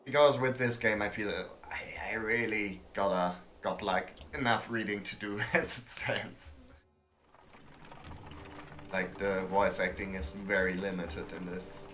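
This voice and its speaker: A man's voice: steady tone, unhurried, a bit bright, a little hiss or hum. A man streaming a story game, chatting wryly and reading its dialogue aloud. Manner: wry, self-mocking, reads dialogue with raised pitch. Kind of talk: casual let's-play commentary, reading game text aloud.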